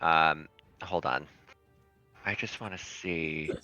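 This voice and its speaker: Male tabletop player, low and very forceful voice, casual chat, dry lo-fi recording. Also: fairly even intonation, slow, no echo, faint music behind.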